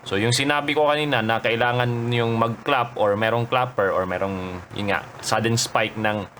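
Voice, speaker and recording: A man's voice: mid-range voice, steady tone, normal speed, a bit bright, a little hiss or hum. A man with a Filipino accent explaining gear step by step in a casual, conversational vlogger style, mixing in English phrases. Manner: conversational, switches between Tagalog and English. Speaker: motovlogger and presenter.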